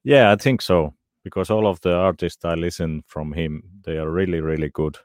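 Deep-voiced, modest man. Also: steady tone, moderate pace, a little mellow, no room sound, clean studio sound. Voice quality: very low, deep voice. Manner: modest, brief answers. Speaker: singer, interview guest.

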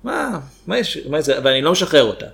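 A man co-hosting a podcast, trading casual comedic banter with dry, deadpan jokes. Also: on the high side, creaky. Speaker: podcast co-host.

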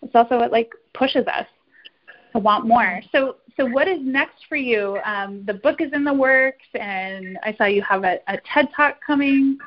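A woman's voice: a little high, measured pace. A woman hosting a podcast, chatting casually and encouragingly, often repeating words for emphasis. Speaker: podcast host. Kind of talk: casual interview chat. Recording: slightly dull lo-fi podcast audio.

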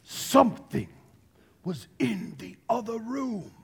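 A man playing a storybook narrator in a staged radio play, telling the tale in an expressive, drawn-out, dramatic way. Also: high voice, creaky, heavy background noise, heavily acted. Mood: hushed, suspenseful. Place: theater stage. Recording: live stage recording with music underneath.

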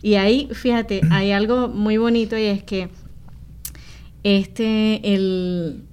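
A woman's voice: mid-range voice, fairly even intonation, takes it slowly, a little mellow, smooth. A woman from Rico, talking earnestly and explaining things as a missionary guest in an interview. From Puerto Rico. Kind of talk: conversational interview testimony.

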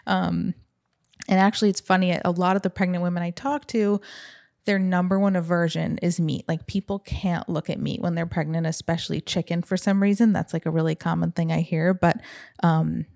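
A woman's voice: fairly low pitch, steady tone, moderate pace, gravelly, a little mellow. A young woman hosting an interview podcast, talking in a casual, chatty and informal way. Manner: chatty, informal, quotes others' remarks. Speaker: podcast host.

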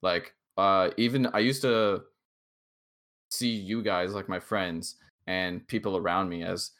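Tipsy young man with a deep voice. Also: steady tone, a bit bright. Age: 20s. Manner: rambling, halting, full of fillers and restarts. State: tipsy from drinking shots. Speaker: podcast co-host. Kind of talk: casual podcast chat.

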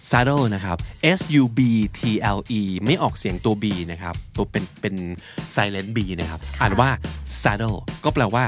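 Man, lowish voice, relaxed explainer, podcast co-host. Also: measured pace, few pauses, music in the background. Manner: explains words in Thai, mixing in English terms. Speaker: podcast co-host teaching English vocabulary. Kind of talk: casual explanatory chat.

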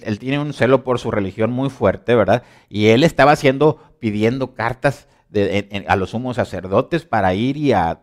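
A man delivering a sermon in a conversational way, leaning on rhetorical questions. He switches between loud emphatic bursts and soft, low asides, and he often restarts his phrases and repeats words. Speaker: preacher.

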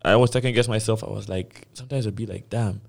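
A man's voice: on the low side, fairly even intonation, fast talker, creaky. A young man co-hosting a podcast, talking candidly and asking questions in a loose, slangy way. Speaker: podcast co-host. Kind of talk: casual podcast interview.

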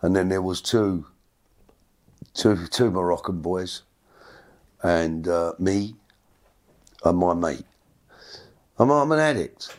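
Middle-aged man, lowish voice, rambling storyteller who repeats himself. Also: slow, long pauses, darkish tone. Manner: rambling, repeats words, acts out voices in quotes. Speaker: guest. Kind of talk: casual storytelling.

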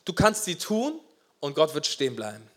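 A man preaching a sermon as pastor, passionate and emphatic, with swings between loud urgency and quiet asides. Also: fairly high pitch, huge pitch swings, moderate pace.

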